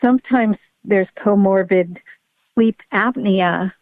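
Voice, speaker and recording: A woman's voice: medium pitch, slow pace, no echo. Woman guest expert, middle-aged, eager explainer, phone-quality line. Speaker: pediatric neurologist guest. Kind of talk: podcast interview. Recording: tinny phone-like line, dry.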